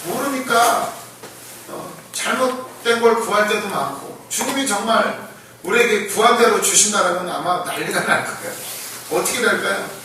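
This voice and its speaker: A man preaching a conversational sermon to a congregation, acting out the blind men's shouting and laughing often as he tells the story. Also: sits high, moderate pace, a little hiss or hum. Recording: echoey room, voice from far off the mic.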